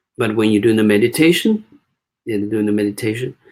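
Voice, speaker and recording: A man of medium pitch with a somewhat breathy voice and a Chinese accent. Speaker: qigong master and teacher. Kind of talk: Q&A in online class. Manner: halting.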